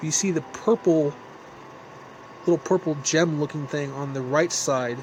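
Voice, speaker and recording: Fairly slow, fairly even speech from a man at fairly high pitch, broken by long, frequent pauses, over noticeable background noise. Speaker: gaming video creator. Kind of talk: tutorial. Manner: halting, self-correcting; casual.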